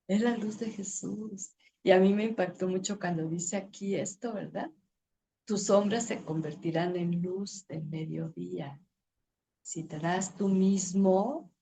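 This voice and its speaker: A middle-aged woman teaching a women's ministry Bible lesson, expressive, acting out dialogue and reading scripture slowly. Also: fairly low pitch, slight background noise. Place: church.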